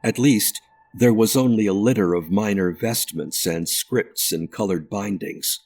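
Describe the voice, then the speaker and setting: Deep, husky male narrator. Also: unhurried, darkish tone. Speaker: audiobook narrator. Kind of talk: scripted narration of a ghost story.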